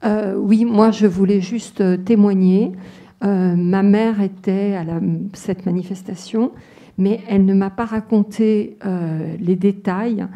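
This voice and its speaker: A woman in the audience at a public debate, giving a careful, measured personal testimony. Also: mid-range voice, fairly even intonation, dark tone, lo-fi sound. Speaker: audience member.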